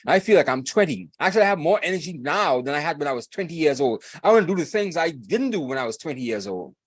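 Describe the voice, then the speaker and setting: A man's voice: a little high, very animated, fast. A man, hosting a podcast in a hyped, rambling casual chat, repeating himself and laughing often. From Bahamas. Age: 40s. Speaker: podcast host.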